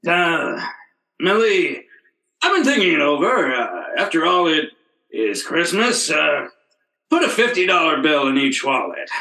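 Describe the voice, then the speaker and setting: Guy playing stingy blustery office boss, old radio comedy, forceful and echoey. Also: on the high side, creaky, heavily acted. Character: stingy, self-righteous, blustering male company boss.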